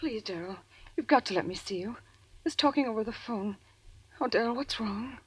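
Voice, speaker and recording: Breathy pleading young woman. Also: fairly high pitch, normal speed, no room sound. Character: gentle devoted young woman, frightened fiancée. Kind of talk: old-time radio drama.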